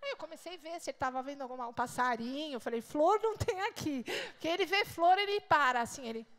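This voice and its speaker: High-voiced Brazilian woman preaching animatedly. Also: racing. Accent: Brazilian Portuguese. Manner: animated storyteller with big swings in loudness. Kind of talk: sermon with humorous anecdotes. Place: church service.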